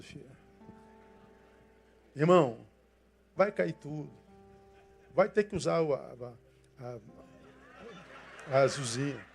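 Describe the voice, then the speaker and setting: His voice fairly high and slightly rough, an older pastor with a Brazilian Portuguese accent preaches with passion. He veers between loud, emphatic lines and softer asides.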